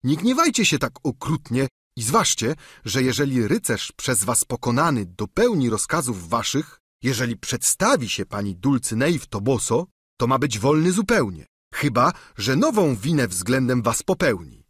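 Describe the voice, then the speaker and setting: A man's voice: mid-range voice, very animated, moderate pace, fairly bright tone, breathy edge, no echo, studio quality, pitched above the performer's own voice. A man reading an audiobook, voicing an eager, plain-spoken peasant squire with a pleading manner.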